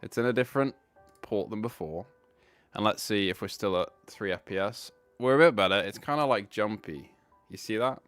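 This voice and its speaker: A man's voice: fairly low pitch, moderate pace, a bit bright, clean tone, dry recording, soft background music. A man hosting a casual live stream, rambling as he sorts out camera trouble. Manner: rambling, fixing tech while talking.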